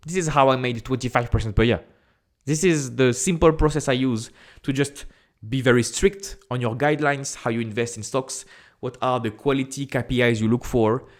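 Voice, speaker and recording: Man with a strong French accent. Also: mid-range voice. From France. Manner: chatty and direct, repeats phrases, frequent "uh" fillers. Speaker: investing YouTuber. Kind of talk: casual talk to camera.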